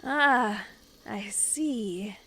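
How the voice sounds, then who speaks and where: A woman's voice: medium pitch, very slow, fairly bright tone, husky, full character voice. A woman playing a dryly teasing young woman new in town, in a naturalistic audio drama.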